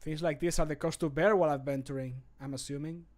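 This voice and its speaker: A man's voice: fairly high pitch, fairly even intonation, fast talker, natural voice. Wry male fantasy adventurer, acted by a man. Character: wry male fantasy game adventurer cracking bear puns. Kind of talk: video game voice line takes. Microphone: close studio microphone.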